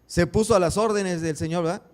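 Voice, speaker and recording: A man's voice: high voice, fairly quick. A man pastor preaching a sermon in a church, asking the congregation rhetorical questions.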